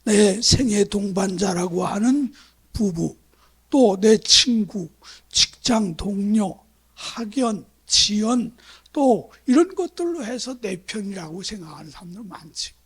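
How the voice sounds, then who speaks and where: In a church sanctuary, a male pastor from South Korea's Chungcheong region delivers a sermon with a husky, high-pitched, animated voice, taking his time. He tells it like a story, chatting with the congregation and tossing rhetorical questions their way.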